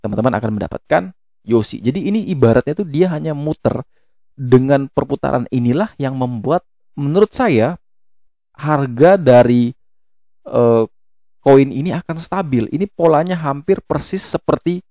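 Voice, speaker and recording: Guy doing a casual explainer vid, mellow voice, kinda halting w lots of hesitations, mid pitch, dry sound. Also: animated, no room sound, highs cut off. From Indonesia. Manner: halting, with frequent hesitations and self-corrections. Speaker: YouTube host explaining crypto tokens. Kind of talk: casual explainer, walking through a web page.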